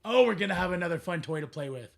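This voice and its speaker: A man's voice: sits high, animated, racing, creaky. A man chatting casually on a gaming livestream, thinking aloud in a rambling way, his voice strained as if he is losing it. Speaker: live streamer.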